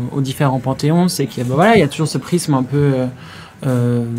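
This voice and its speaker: With music in the background, a woman with a very deep, low pitch speaks at a fairly quick pace, showing ordinary pitch variation. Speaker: podcast host. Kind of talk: casual chat.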